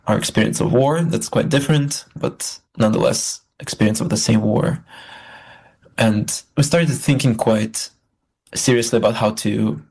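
A young man from Belarus, a guest speaking in a measured, thoughtful way with pauses, in an interview. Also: medium pitch, vocal fry, husky. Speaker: guest, student project founder. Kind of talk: reflective interview talk.

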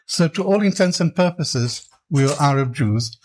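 Older man, Iraqi-born author, fairly high voice, slow deliberate phrasing that builds into emphatic lists. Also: lively intonation, darkish tone. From Iraq. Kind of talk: reflective interview answers.

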